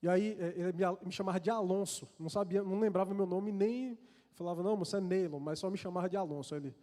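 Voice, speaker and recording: A man with a Brazilian accent preaches fast in a high-pitched, dark voice, telling a personal story in an earnest, confessional way. He often repeats and restarts words, and the large church hall adds a long reverb.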